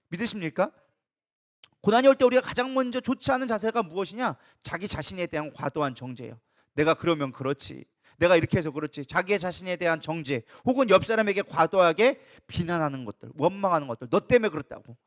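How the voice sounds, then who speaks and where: A male co-lead pastor preaching a midweek sermon, emphatic and full of rhetorical questions that he answers himself. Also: sits high. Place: church.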